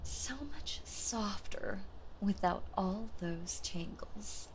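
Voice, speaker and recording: A woman voicing a gentle, doting villainess in a whispered role-play, soft-spoken and soothing, often slipping into a whisper. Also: mid-range voice, drawn-out words, noisy background. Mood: tender, soothing.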